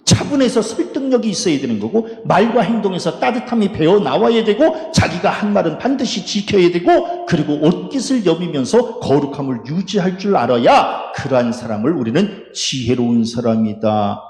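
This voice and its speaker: Lively pastor preaching in an echoey hall. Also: male voice, fairly high pitch. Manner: lively preaching, rhetorical questions, quick laughs. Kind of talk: sermon. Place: church sanctuary. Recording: echoey church hall with long reverb.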